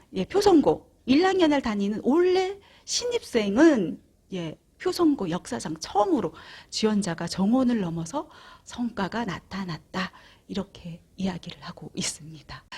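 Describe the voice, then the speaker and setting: A somewhat breathy woman's voice, fairly high in pitch, with very wide pitch swings, big swings in loudness and a fairly slow pace. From Jeju, eastern Seongsan area. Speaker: parent content creator. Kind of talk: informational commentary video. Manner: frequent fillers, conversational.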